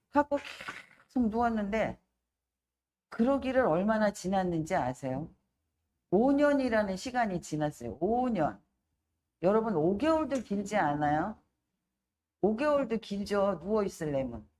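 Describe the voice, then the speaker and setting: Middle-aged woman preaching her testimony, storytelling style, pitch swoops all over, does everyone's voices. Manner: animated storytelling, acts out relatives' voices. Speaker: evangelist giving testimony. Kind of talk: testimony sermon.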